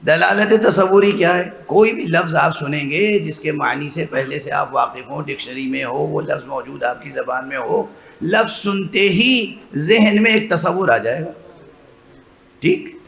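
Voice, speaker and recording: This male religious scholar has a fairly high, gravelly voice with a fairly bright tone. Addressing mourners, he builds his sermon lecture one step at a time and keeps posing rhetorical questions to the audience. Faint noise sits behind him in an echoey hall.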